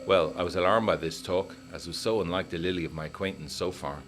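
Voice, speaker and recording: A man narrating a letter in a measured, formal, old-fashioned manner for a gothic audio drama. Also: low-pitched. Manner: measured, formal period storytelling.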